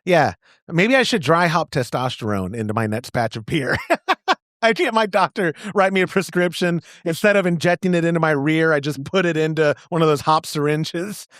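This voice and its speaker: A man's voice: on the high side, normal speed, a bit bright, no room sound, clean studio sound. A man co-hosting a podcast, chatting casually and joking about himself, then reading a sponsor ad. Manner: jokey, self-mocking, breaks into silly sung bits. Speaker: podcast co-host. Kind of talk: casual banter and ad reads.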